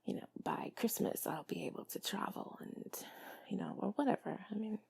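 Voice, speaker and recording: A woman talking intimately and soothingly to the listener in a soft, breathy, mostly whispered ASMR style, rambling in a confiding way close to the mic. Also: mid-range voice, moderate pace, dry recording. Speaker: intimate comfort audio creator.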